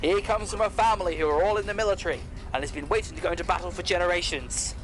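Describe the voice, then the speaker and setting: A man's voice: high voice, very fast, fairly bright tone, a little hiss or hum. An actor playing a polite, loyal clockwork man who explains things formally in an audio drama. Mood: matter-of-fact. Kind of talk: scripted audio drama acting.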